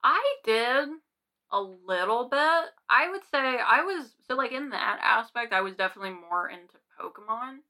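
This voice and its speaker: A woman's voice: a little high, lively intonation, moderate pace, pushed and bright. A young American woman co-hosting a podcast in casual conversation, thinking aloud in an informal, hedging way. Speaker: podcast co-host. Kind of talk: casual chat.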